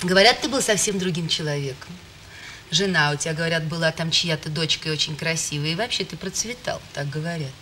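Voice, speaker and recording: Light background noise sits behind a woman with a fairly low pitch. She talks at a fairly quick pace with ordinary pitch variation. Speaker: film actress in a role. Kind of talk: acted dialogue, casual gossip. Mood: teasing, curious, lightly provocative. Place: cafe.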